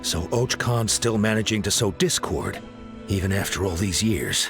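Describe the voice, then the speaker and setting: A man playing an earnest, seasoned tribal flier in a video game, speaking deliberately and expressively. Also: fairly low pitch, close to an everyday voice. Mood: concerned. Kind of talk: video game dialogue acting. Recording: game music underneath.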